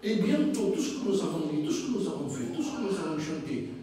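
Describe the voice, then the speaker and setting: A male pastor delivers an animated sermon, acting out both sides of little exchanges. His voice sits high and swings widely in pitch. He is picked up from far off in a big, echoing hall. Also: fast, crowd noise. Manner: animated preaching with mimed dialogue. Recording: echoey hall, recorded from far off.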